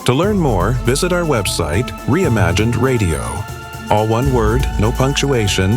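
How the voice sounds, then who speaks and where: Male announcer, animated sign-off with music bed. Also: mid-range voice, unhurried. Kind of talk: scripted show sign-off.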